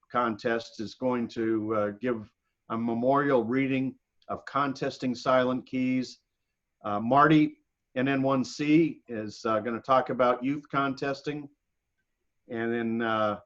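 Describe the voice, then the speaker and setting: An American man gives an informal presentation over a video call. His delivery is halting, with pauses in the middle of sentences. The audio is dull and lo-fi. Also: medium pitch. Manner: halting, pausing often mid-sentence. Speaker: guest presenter.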